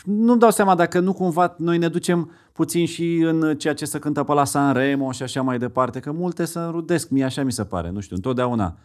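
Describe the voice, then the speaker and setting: A man hosting an interview, asking questions in casual chat and often chiming in with quick agreement. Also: a little high, darkish tone. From Romania. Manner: conversational, frequent affirming interjections. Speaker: interview host.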